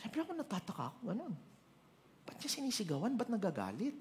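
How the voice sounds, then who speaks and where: A man preaching a sermon with a Filipino accent, telling stories in an animated way and switching between Tagalog and English. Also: sits high, fast, slight background noise.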